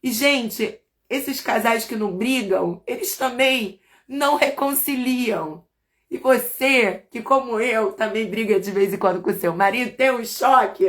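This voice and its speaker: A woman's voice: a little high, fairly bright tone. A middle-aged woman pastor with a Brazilian accent, giving a chatty, playful live church talk to women and asking her listeners questions. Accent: Brazilian Portuguese.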